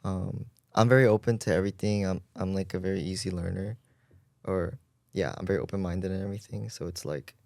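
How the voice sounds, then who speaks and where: A twenty-year-old man talks casually as a podcast guest, his low voice wandering through long rambling sentences full of "like". The sound is close and dry, with no room around it. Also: steady tone, a little fast, vocal fry, a little mellow, no echo. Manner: rambling, lots of "like". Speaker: guest volunteer.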